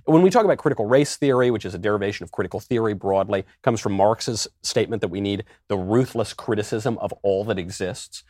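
A man on a studio panel explaining his argument in a measured, lecturing and wry way. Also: fairly low pitch, darkish tone, no room sound. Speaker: roundtable panelist, author. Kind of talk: casual political discussion.

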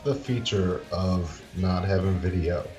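Echo-soaked man on a call. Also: low-pitched. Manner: loose and halting, with repeated restarts. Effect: big echoey room sound on his mic. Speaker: podcast co-host. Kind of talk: casual chat on a call. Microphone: computer mic on a voice call. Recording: echoey room, faint music under.

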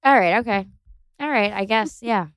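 A woman in her twenties with a raspy, hoarse voice, chatting as a comedian guest with dry, self-mocking humor. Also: mid-range voice, moderate pace, no echo. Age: 20s. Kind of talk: casual podcast chat.

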